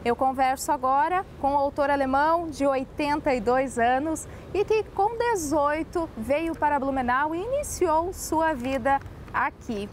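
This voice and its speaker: High-voiced female TV host. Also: lively intonation, unhurried, a little hiss or hum. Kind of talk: TV interview hosting.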